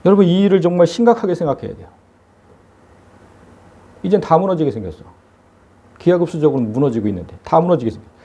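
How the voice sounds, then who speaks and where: Male pastor, sermon, lively swinging pitch, mellow husky tone, emphatic rhetorical questions.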